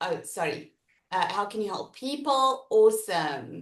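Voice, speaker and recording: Speaking with a South African accent, a woman has a high pitch. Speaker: online business coach. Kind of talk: live workshop teaching. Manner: animated.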